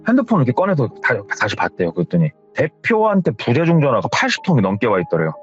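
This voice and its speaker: A man's voice: medium pitch, huge pitch swings, quick pace, highs cut off, faint music behind. A man telling a horror story casually, retelling what someone else told him in a conversational tone. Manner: conversational, retells secondhand with hearsay endings.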